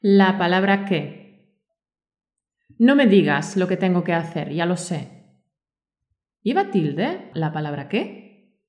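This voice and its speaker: A woman from with a somewhat low voice, teaching a scripted grammar podcast. She reads example sentences in a clear, friendly tone. The room adds a noticeable echo. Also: sing-song, takes it slowly, long pauses, a little mellow. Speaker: podcast co-host and Spanish teacher. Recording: roomy echo.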